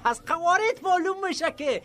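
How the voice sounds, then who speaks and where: A man's voice: very high voice, animated, a bit bright. An Afghan-accented male actor playing a cheeky, naive village man in a comic radio drama, chatty and over-polite. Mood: chummy, ingratiating.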